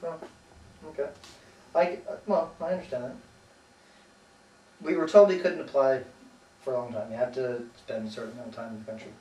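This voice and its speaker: An American man being interviewed talks casually about his life, hesitating, rambling, often trailing off and swearing offhandedly. His medium-pitched, mellow voice is steady in tone and a little fast, with frequent pauses, recorded on a distant mic with roomy echo and faint noise.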